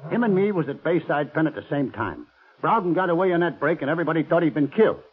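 A shady carnival showman and ex-con in an old radio crime drama. His husky voice runs a little high and swings widely as he schemes in rough street slang. The recording is muffled and vintage. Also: lively intonation, quick pace. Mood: defensive, insistent. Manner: rough slangy uneducated speech. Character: shady carnival gorilla-show man, scheming blackmailing ex-convict.

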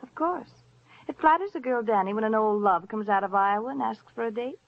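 A woman's voice: a little high, fairly quick, natural voice. An actress playing a cool, teasing sophisticated woman with a coy, languid manner, in 1940s radio acting. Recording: dull lo-fi old radio recording.

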